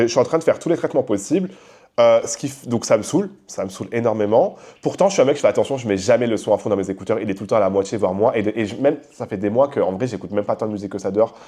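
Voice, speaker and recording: A young man hosting a podcast, talking loudly in a casual, slangy rant and acting out the people he quotes. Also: fairly low pitch. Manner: talks loudly. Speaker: podcast host. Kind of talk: casual ranting monologue.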